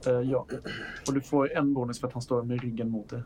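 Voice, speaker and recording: A man's voice: medium pitch, level tone, darkish tone, slight background noise. A man narrating as the game master of a tabletop role-playing game, in loose, chatty narration with fillers.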